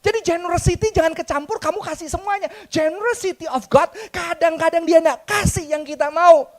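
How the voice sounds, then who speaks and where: A man preaching a sermon in a church with a Jakarta accent, an animated, joking storyteller who mixes in slang and English words. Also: very high voice, brisk. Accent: Jakarta Indonesian.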